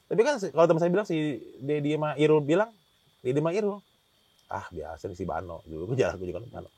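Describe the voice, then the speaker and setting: A man tells his story in a casual interview, often restarting sentences and acting out what others said. His voice sits a little high and sounds husky. The recording is dry, with no room sound. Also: big pitch swings, very fast, a little mellow, dry recording. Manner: rambling, with many restarts and acted-out quotes. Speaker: hiker telling his experience as a guest.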